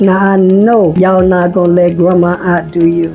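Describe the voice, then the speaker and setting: A woman's medium-pitched voice with an American accent, at a fairly slow pace, with music in the background. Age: 60s. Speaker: adult GED student. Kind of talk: interview answer.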